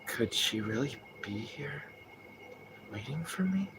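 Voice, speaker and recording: A man voicing a nervous, confused grieving man in a hushed, shaky near-whisper. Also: mid-range voice, lively intonation, takes it slowly, a little hiss or hum. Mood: uncertain.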